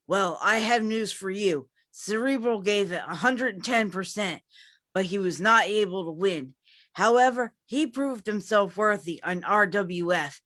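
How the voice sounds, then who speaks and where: A woman as a scornful wrestler, bright and dry. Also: medium pitch, dry recording, natural voice. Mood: defiant. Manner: taunting, dismissive. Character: scornful, bragging male champion pro wrestler. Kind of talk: staged reading of wrestling promos.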